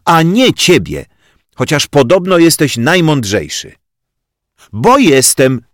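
A man voicing an excitable little schoolgirl who blurts out answers. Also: a little high, slow, no room sound, studio quality, voice pushed up, heavily acted. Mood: scornful.

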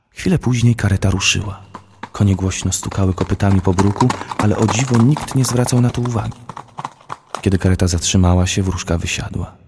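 A man narrating a children's storybook in a measured, expressive reading. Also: sits low, gravelly, slightly rough. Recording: long hall reverb.

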